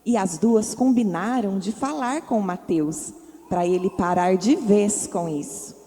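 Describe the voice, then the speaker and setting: Lady reading a kids story at church, slow and mellow, echoey hall. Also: mid-range voice. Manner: clear, measured storytelling. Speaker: story reader. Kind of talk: scripted narration.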